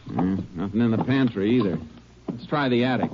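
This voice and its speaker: Muffled vintage radio: laconic ranger, low-voiced, steady, shrewd investigator. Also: male voice, a little fast, background noise. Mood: calm, determined. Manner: laconic, matter-of-fact. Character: calm, shrewd, persistent Texas Ranger investigator. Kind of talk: 1950s radio drama acting. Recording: muffled old radio recording.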